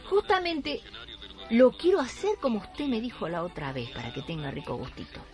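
A woman's voice: on the high side, huge pitch swings, normal speed, over music. An actress with an Argentine accent playing a patient woman cook in a radio drama, coaxing and good-humored.

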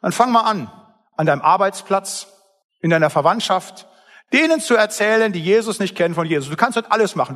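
A man's voice: high voice, fairly bright tone, long reverb tail. A man preaching a sermon as pastor, emphatic and blunt, with plain everyday asides.

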